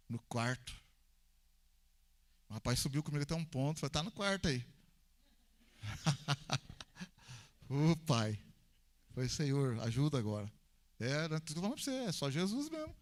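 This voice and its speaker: High-pitched Brazilian pastor preaching. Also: male voice, unhurried, long pauses. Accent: Brazilian Portuguese. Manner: storytelling with acted dialogue, swings between calm and loud. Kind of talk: sermon.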